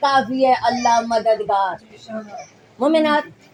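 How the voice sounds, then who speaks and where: A woman talks in a high pitch. Noticeable background noise is heard behind her. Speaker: majlis speaker. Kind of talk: religious sermon addressed to the women's gathering.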